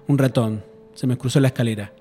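A terrified older husband pleads in a shaky, hushed voice, as a male narrator plays him. The tone is timid and trembling, fit for a spoken horror tale. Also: medium pitch, steady tone, fast, slightly rough, big-room sound, soft background music, lightly acted. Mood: fearful.

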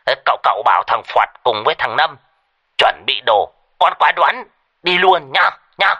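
Man doing a shrill flustered old shaman. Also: big pitch swings, pushed and bright. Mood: panicked. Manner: shrill, hurried. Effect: phone call.

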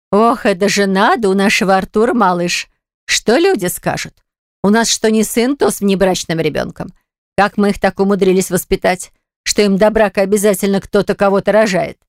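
A woman voicing an older mother and grandmother who nags and flares up quickly. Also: medium pitch, vocal fry, dry recording, studio quality, lightly acted. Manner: emotional, scolding, nagging.

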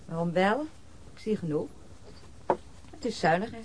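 An actress playing a nagging, thrifty middle-aged wife, fretful and reproachful, in an old radio play. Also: female voice, on the low side, normal speed, slight background noise, close to an everyday voice. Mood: fussing, concerned. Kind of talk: naturalistic radio play acting.

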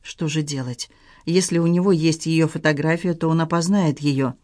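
A narrator reading a novel aloud in an even, measured storytelling manner. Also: medium pitch, no room sound, clean studio sound.

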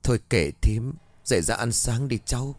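A man voicing a frail, kindly old grandmother who speaks gently and imploringly. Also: medium pitch, expressive, moderate pace, no room sound, lightly acted. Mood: gentle.

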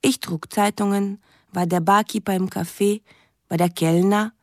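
A woman's voice: medium pitch, steady tone, normal speed, darkish tone, no echo, clean studio sound, lightly acted. A woman playing an earnest Russian in her thirties in a radio play, reciting formal letters in broken grammar. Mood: earnest, shy. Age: 30s. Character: earnest young Russian woman writing romance emails.

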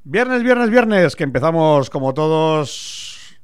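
A man's voice: fairly high pitch, sing-song, slow, faint music behind. Joking Spanish man co-hosting radio. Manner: joking, conversational. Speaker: radio show co-host. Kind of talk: casual radio chat.

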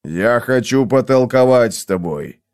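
A man voicing a sullen, menacing scarred brute who growls slowly. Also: medium pitch, animated, a little mellow, smooth. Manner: growling, slow and threatening.

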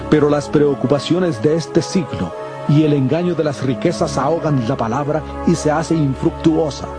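An actor playing a calm, solemn male teacher of parables in a dramatized scripture audio, speaking in a measured, deliberate way. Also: on the high side, natural voice. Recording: constant prominent music under the voice. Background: music.

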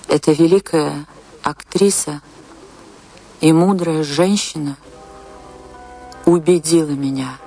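Tragic famous woman dancer, slow measured delivery, dramatic pauses, theatrical radio play monologue, lowish voice. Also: fairly even intonation, mellow, breathy edge, faint music behind, exaggerated voice. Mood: solemn, resolute. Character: famous woman dancer recalling her tragic life, impassioned and sorrowful.

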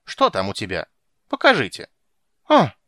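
A man voicing a cranky old male sorcerer who shouts and scolds in a shrill, petulant voice. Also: wildly swooping pitch, normal speed, no echo, clean studio sound. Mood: curious.

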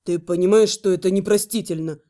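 A woman voicing gloomy, fretful young male dragons in a lowered, brooding voice. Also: fairly even intonation, a little fast, warm tone, close to an everyday voice. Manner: low brooding put-on male voice.

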